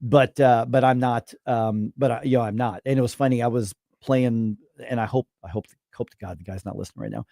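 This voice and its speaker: A man's voice: mid-range voice, fairly even intonation, gravelly, warm tone, no room sound, studio quality. Chatty fifties man hosting radio talk. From United States. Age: 50s. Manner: chatty, halting, with restarts and laughs. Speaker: radio talk show host. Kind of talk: casual radio interview. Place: radio studio. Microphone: studio microphone.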